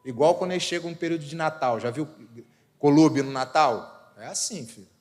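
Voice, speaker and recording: A man's voice: on the high side, brisk, a little mellow. A male pastor, preaching a sermon with personal stories, rhetorical questions and humorous asides. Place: church. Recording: church hall reverb.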